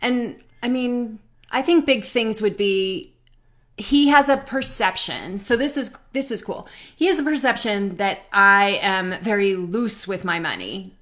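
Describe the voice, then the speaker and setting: A woman's voice: medium pitch, a little slow, a bit bright. A woman hosting a live online conversation, candid and chatty, laughing often. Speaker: host.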